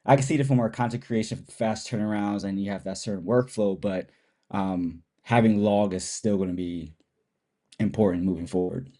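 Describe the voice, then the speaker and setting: A man's voice: lowish voice, moderate pace. A man in his thirties, a guest photographer, talking casually with a nasal voice from a cold. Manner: relaxed, rambling with restarts and laughs. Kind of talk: casual podcast chat.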